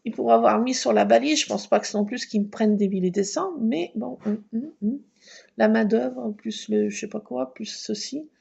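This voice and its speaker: Husky raspy woman chatting on her vlog, laughs a lot, acts out the voices. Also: on the high side, moderate pace, muffled recording. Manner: lively, laughing, acts out dialogue and alarm sounds. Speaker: vlogger. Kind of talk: casual storytelling.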